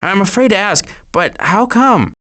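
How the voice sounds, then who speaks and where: A man voicing a cautious, exasperated turtle in an animated video game, fretful and given to wry grumbling. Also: high-pitched, a little slow. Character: anxious, cautious male cartoon turtle, exasperated worrier.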